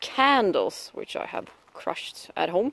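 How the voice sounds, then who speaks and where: A woman speaks with a Swedish accent. Her pace is very slow. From Sweden. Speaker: outdoor vlogger. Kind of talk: casual tutorial vlog.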